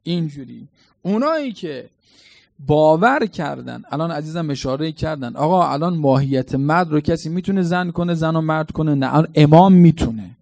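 High gravelly-voiced male preacher. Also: lively intonation, a little mellow, no room sound. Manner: dramatic, quizzes the congregation. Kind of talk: colloquial sermon with storytelling.

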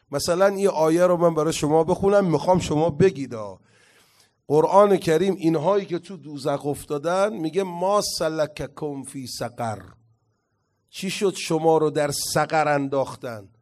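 A man giving an impassioned religious lecture as a cleric, reciting Arabic quotations slowly and swinging between loud declaiming and quiet asides. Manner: impassioned, rising to loud declaiming then dropping low.

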